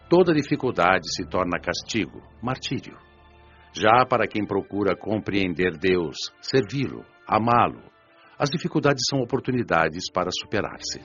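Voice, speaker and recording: A man's voice: deep voice, husky, exaggerated voice. A man playing a patient, earnest father who teaches like a preacher in a radio drama, didactic and solemn. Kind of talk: audiobook radio drama, sermon-like lecture. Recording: dull lo-fi audio with music behind. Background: music.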